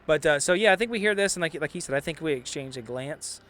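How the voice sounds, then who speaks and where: A man playing a tabletop game, chatting casually in a hesitant, halting way. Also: on the high side, lively intonation, fairly bright tone, a little hiss or hum.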